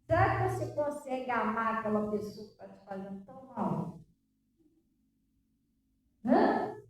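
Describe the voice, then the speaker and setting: High-voiced Brazilian woman preaching in an echoey church. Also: big pitch swings, measured pace. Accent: Brazilian Portuguese. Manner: emphatic preaching, constant rhetorical questions to the congregation. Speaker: pastor. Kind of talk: sermon. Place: church hall. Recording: very echoey church hall from far off, faint noise.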